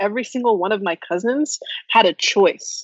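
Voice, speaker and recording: With an American accent, a woman in a plain, everyday voice speaks at a moderate pace, her fairly high pitch moving with ordinary variation over a dry, close sound with no echo. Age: young. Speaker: panelist. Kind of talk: panel discussion.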